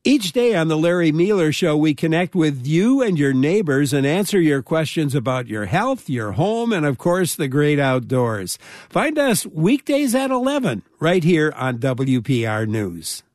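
A man's voice: a little high, sing-song, a little slow, a little mellow, no echo, studio quality. A man voicing a promo for a radio show. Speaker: promo announcer.

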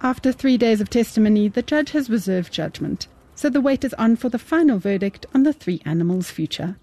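A woman reporting a radio news story in a measured, clear delivery. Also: fairly high pitch, expressive, warm tone.

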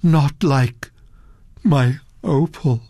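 A man's voice: a little high, extremely slow, mellow, dry recording, full character voice. A man voicing a dreamy, absent-minded actress who murmurs and gushes over food.

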